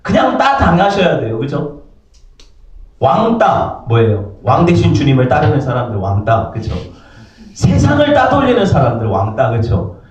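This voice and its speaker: A man's voice: on the high side, normal speed, dull audio. A man preaching a sermon as pastor, asking his congregation questions and acting out the voices in the stories he tells. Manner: lively preaching, acts out voices in quotes, asks the congregation "그죠?". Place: church sanctuary. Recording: echoey church hall, mic at a distance.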